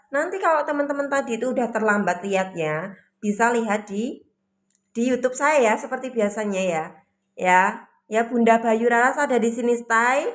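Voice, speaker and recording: A woman hosting a casual live stream, giving a spiritual talk to her viewers in a chatty, repetitive way and reading their comments aloud. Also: a little high. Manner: repetitive, chatty, often repeats phrases.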